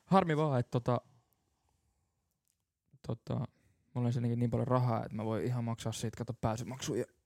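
A man's voice: medium pitch, fairly even intonation, long pauses, a little mellow, no echo. A man co-hosting a casual podcast, teasing his friend with dry irony. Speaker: podcast co-host.

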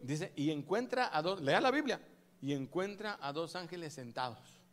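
Animated bright-voiced pastor preaching. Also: male voice, on the high side, moderate pace. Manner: acts out scenes, shouts exclamations, swings between loud and hushed. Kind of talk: dramatic sermon.

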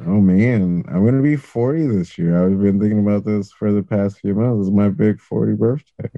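A man's voice: lowish voice, moderate pace, no echo, muffled recording. A man in his late thirties, a comedian guest, talking loosely and joking, with casual swearing. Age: 30s. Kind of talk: casual interview chat.

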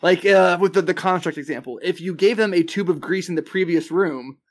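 A male podcast guest with a slightly high voice. He explains tabletop game advice in a measured, careful way and often pauses with fillers. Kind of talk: casual podcast advice talk.

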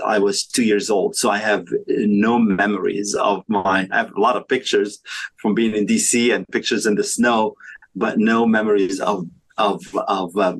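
A man's voice: lowish voice, a bit bright, slightly rough, poor audio. A man in his fifties from Egypt, a pathologist talking through his career in an interview, thoughtful and full of fillers and restarts. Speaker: podcast guest, pathologist. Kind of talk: conversational interview.

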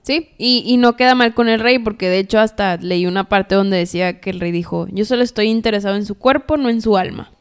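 A woman's voice: medium pitch, fairly quick, few pauses, clear, resonant tone. A woman co-hosting a podcast, retelling history as chatty, dramatic gossip with asides. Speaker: podcast co-host. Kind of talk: casual storytelling chat.

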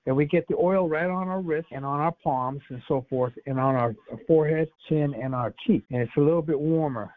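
A man's voice: on the high side, fairly quick, few pauses. A man whose first language is Greek, a radio guest talking casually and hesitantly, with many fillers and restarts. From United States. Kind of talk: casual interview talk. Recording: dry tinny phone-line audio.

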